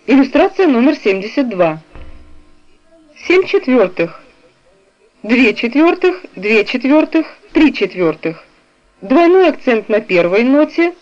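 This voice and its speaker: A woman reading a music theory textbook aloud in a slow, measured way, describing the notation on the page. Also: a little high, darkish tone. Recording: dull, lo-fi recording.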